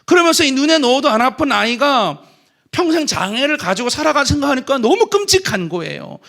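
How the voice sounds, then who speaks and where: A man in his thirties preaches from the pulpit, telling his own story with animated flair. His voice sits high and bright, and his pitch swoops widely as he acts out the scenes. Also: fairly quick, creaky. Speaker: pastor. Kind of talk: sermon with personal story.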